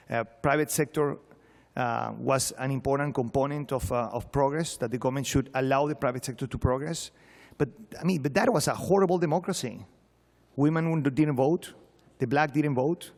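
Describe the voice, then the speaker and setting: A man with a Venezuelan Spanish accent speaks in a fairly high voice, recorded in a hall with long reverb. He talks like a professor addressing a conference, informal and humorous, urging his point with repeated words and rhetorical questions. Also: a little mellow.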